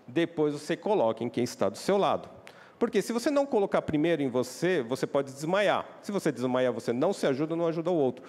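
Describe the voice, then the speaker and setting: A man's voice: a little high, sing-song, fast talker, a little mellow. A Brazilian man preaching a sermon, often asking the congregation questions and acting out quoted voices. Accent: Brazilian Portuguese. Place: church hall. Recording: church hall reverb.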